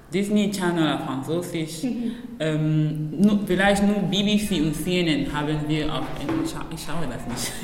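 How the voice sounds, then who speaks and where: A woman's voice: on the low side, a little hiss or hum. A woman from Cameroon whose first language is Banzo, answering interview questions in German, laughing and searching for words. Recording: echoey room with faint ambience.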